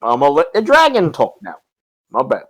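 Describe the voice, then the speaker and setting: A man playing an awkward, loud warrior. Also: fairly high pitch, huge pitch swings, a little fast, husky, pitched below the performer's own voice, exaggerated voice. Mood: sheepish. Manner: sheepish, apologetic backing down. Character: gruff loud-voiced male warrior, awkward with kids. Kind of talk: in-character tabletop roleplay.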